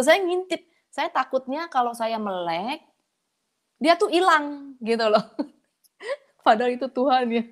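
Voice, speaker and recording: Woman, mid-pitch, casual testimony storyteller, animated, restarts and quotes herself often. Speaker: testimony speaker.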